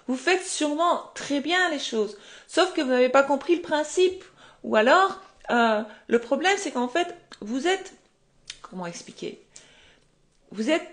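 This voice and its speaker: A woman with a slightly high voice talks to viewers on a live stream from her home. She coaches in a chatty, explanatory way, often voicing imagined quotes and asking rhetorical questions. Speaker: manifestation coach.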